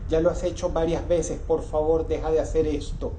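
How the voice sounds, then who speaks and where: A man's voice: fairly high pitch, fairly even intonation, moderate pace, dark tone, natural voice. A man doing a stern tired mother. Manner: firm, scolding. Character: stern weary mother scolding her son. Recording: echoey room with clear background noise.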